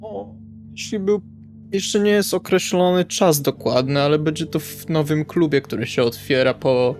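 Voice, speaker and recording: A man's voice: on the high side, moderate pace, a little mellow, close to an everyday voice. Man acting courteous young-woman's musician friend, hesitant, awkward, tabletop game, faint music. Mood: polite, awkward. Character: Salvi, polite, awkward musician friend of the daughter.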